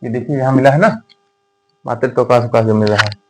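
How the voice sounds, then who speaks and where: A male teacher gives a relaxed, conversational classroom lecture at a medium pitch. He keeps asking his students rhetorical questions and slows right down to dictate notes. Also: noisy background.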